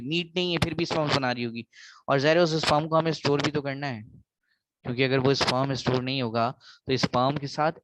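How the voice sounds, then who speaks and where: A man's voice: mid-range voice, noisy background. A man with a South Asian accent giving an explanatory biology lecture, mixing in English and repeating key phrases for emphasis.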